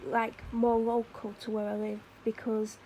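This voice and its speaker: A woman's voice: on the high side, completely flat delivery, unhurried, warm tone, a little hiss or hum, low-quality recording. A woman with a Mancunian accent chatting casually to camera while doing her makeup, rambling with fillers and self-corrections. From Manchester, England. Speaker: vlogger.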